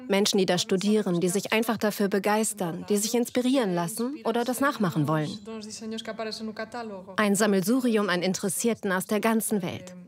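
A woman's voice: medium pitch, a little fast. A woman voicing a dubbed interview translation in a friendly, plain way.

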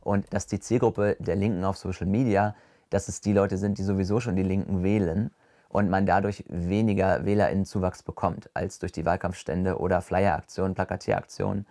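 A man's voice: low-pitched, steady tone, brisk, gravelly, warm tone, no echo. A man in his twenties, a local political candidate, speaking earnestly in an interview. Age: 20s. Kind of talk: casual interview statement.

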